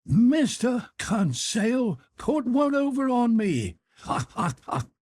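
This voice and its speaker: A man's voice: very high-pitched, very animated, slow pace, darkish tone, pitched above the performer's own voice, exaggerated voice. A man voicing a blunt, jovial Canadian whaler in an audiobook, with a folksy, teasing, skeptical way of talking. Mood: amused. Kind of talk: audiobook character dialogue.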